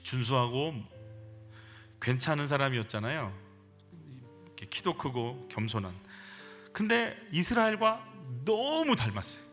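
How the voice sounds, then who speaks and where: Animated man preaching in a reverberant church. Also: on the high side. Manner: animated storytelling, acting out quoted dialogue. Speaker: pastor. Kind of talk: sermon. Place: church sanctuary. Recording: church hall reverb with music behind.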